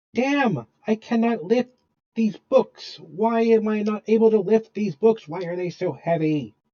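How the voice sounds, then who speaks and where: Putting on a character voice, a man speaks at a high pitch with ordinary pitch variation. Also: moderate pace. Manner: frustrated, struggling.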